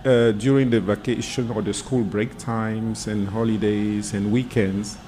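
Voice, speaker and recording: A man from Cameroon, a guest in an interview, speaking in a measured, halting way with frequent pauses. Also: fairly low pitch, little pitch movement, warm tone, slight background noise. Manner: measured, halting, many "uh" fillers. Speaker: guest, environmental sociologist. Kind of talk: casual interview conversation.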